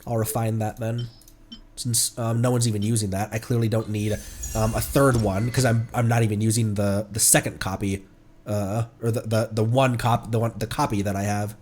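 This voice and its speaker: A man with a stuffed-up nose giving casual, rambling commentary as a livestreamer, often halting and correcting himself. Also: lowish voice, little pitch movement, darkish tone, a little hiss or hum. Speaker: livestreamer, VTuber. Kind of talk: casual game stream commentary.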